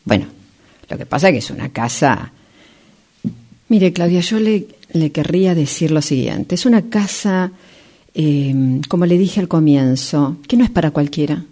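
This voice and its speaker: Animated, insistent saleswoman played by a woman. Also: deep voice. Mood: persuasive. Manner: insistent, theatrical, dramatic pauses. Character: smooth-talking female real estate agent selling a mysterious magic house. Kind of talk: amateur radio play acting.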